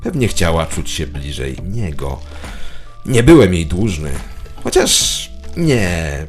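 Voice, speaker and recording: A man acts out a bitter, middle-aged conspiracy-minded male office worker in an audio drama. His low voice swings expressively through a suspicious, contemptuous inner monologue, with music underneath. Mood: brooding. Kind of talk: scripted first-person audio drama monologue.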